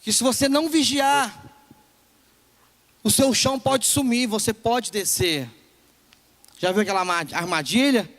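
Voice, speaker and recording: A young pastor with a Brazilian Portuguese accent and an extremely high, slightly bright voice preaches to a youth service in a church hall. He speaks a little slowly with long pauses, telling stories with playful humor and acting out voices.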